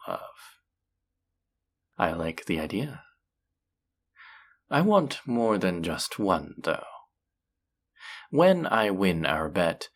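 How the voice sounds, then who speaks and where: A voice actor playing a flirty, possessive demon casino dealer in an intimate audio roleplay, teasing and taunting in a low, husky, breathy voice. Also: full character voice. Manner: teasing, taunting, slow and drawn-out.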